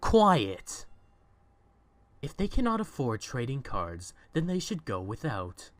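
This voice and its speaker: A man's voice: mid-range voice, huge pitch swings, takes it slowly, a bit bright, exaggerated voice. Man acting a cold, scornful miserly boss. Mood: irritated. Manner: curt, scornful. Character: cold, miserly, irritable male company boss. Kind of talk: fan audio drama acting.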